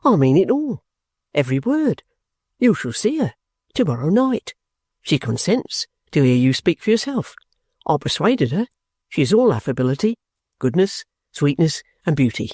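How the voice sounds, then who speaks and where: A man reading aloud, voicing an excitable older male clerk who stammers and talks in a breathless flutter. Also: a little high, moderate pace, husky, dry recording, clean studio sound. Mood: flustered exultant.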